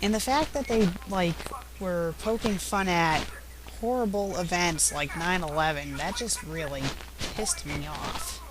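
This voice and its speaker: A woman's voice: fairly low pitch, measured pace, noisy background. A woman hosting a casual, off-the-cuff commentary on her own web show, chatty and openly opinionated. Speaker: web show host and critic.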